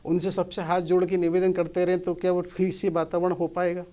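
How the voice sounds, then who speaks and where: A man's voice: high voice, monotone, a little fast, dark tone. A man, a motivational speaker, earnestly explains scripture in a conversational way and asks rhetorical questions.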